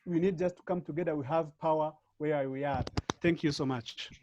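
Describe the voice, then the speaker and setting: A man from East Africa giving an earnest online conference presentation, with halting restarts. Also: a little high, steady tone, muffled recording, noisy background. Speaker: conference speaker.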